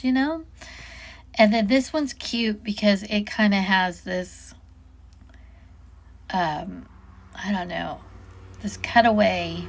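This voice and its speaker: A woman with a medium-pitched voice gives a casual, unscripted product walk-through, chatting and musing aloud and frequently interrupting herself.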